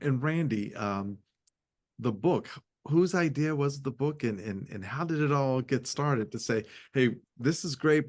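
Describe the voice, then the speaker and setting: A male interview host who stumbles and repeats words as he asks a question. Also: medium pitch.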